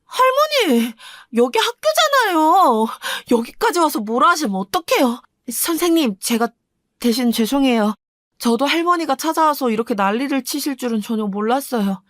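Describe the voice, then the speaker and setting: Brief: aggrieved teen girl, high bright voice, dry close mic, played by a woman. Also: very animated, normal speed, no echo. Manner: pleading, aggrieved complaints. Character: resentful, clever teenage girl. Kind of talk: radio story drama.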